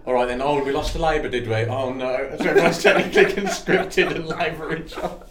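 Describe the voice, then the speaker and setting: A man's voice: fairly high pitch, fairly quick, echoey room, background noise. A man in his thirties co-hosting a podcast, joking, swearing freely and laughing often in casual banter. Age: 30s. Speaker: podcast co-host.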